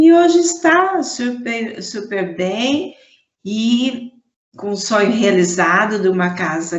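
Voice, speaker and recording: A somewhat breathy woman at a very slow pace, with very wide pitch swings. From Brazil, São José do Rio Preto (São Paulo state). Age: 60s. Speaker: art teacher. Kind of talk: oral history interview.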